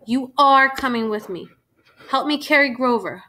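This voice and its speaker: A woman narrator takes on a panicked young boy refusing to leave his mother. He sounds frantic and insistent, his bright voice pitched a touch high. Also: lively intonation, normal speed, exaggerated voice. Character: Percy, a scared, stubborn boy of twelve.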